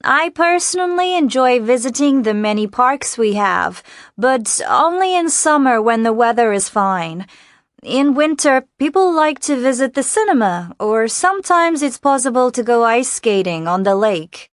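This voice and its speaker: A woman reading scripted answers and sentences for a listening exercise, in a clear, careful way. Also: fairly high pitch, sing-song, unhurried, no echo, clean studio sound.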